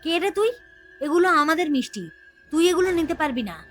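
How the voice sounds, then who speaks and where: A woman's voice: very high voice, expressive, fast talker, over music. A woman voicing a bold, indignant young madrasa pupil in a cartoon. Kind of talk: scripted cartoon acting.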